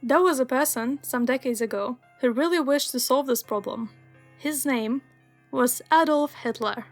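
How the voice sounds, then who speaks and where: A woman's voice: high-pitched, normal speed, soft background music. A young woman whose first language is Russian, narrating a scripted video essay in an earnest, wry, explanatory way. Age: young adult.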